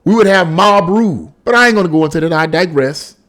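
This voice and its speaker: A man's voice: high voice, lively intonation, quick pace, a bit bright. A man giving unscripted, opinionated political commentary on the news, exasperated, with stammering restarts and phrases repeated for emphasis.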